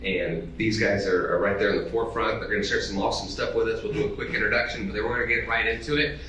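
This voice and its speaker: A man moderating a live conference panel, upbeat and energetic. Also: lowish voice, fast, slight background noise. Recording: echoey hall, distant mic.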